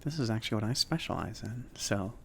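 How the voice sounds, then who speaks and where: Low, creaky-voiced man as a friendly, awkward shop mage. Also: animated, a bit bright, slight background noise. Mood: friendly, hesitant. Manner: halting, casual, chatty, filler-laden. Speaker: ASMR roleplayer. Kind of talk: soft-spoken ASMR roleplay.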